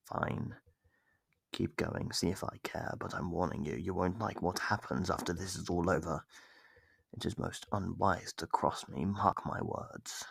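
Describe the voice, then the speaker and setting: Male actor as a menacing monster, heavy gravelly creak, husky whispery delivery, smug, sadistic, theatrical, close dry mic, horror ASMR. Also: deep voice, fairly even intonation, a bit bright, dry recording, exaggerated voice. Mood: cold warning. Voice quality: gravelly, husky, often dropping to a breathy whisper. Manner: slow, taunting, theatrical drawl with drawn-out pauses. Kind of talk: horror ASMR roleplay monologue.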